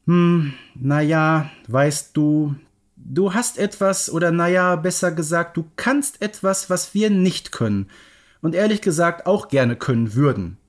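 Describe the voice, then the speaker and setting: A man's voice: a little high, measured pace, pitched above the performer's own voice, lightly acted. A man voicing a sheepish, envious schoolgirl with a hesitant manner in a children's story.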